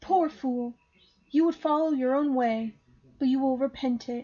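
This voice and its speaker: A woman puts on a character voice, high-pitched, with fairly even intonation at a moderate pace. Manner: ominous, admonishing.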